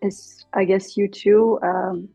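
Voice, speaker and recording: A young adult woman from the Czech Republic with a Czech accent, a Czech teacher speaking English casually as an interview guest, thoughtful and pausing often. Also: medium pitch, flat delivery, creaky, dark tone, dull audio, soft background music. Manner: thoughtful, many fillers and restarts.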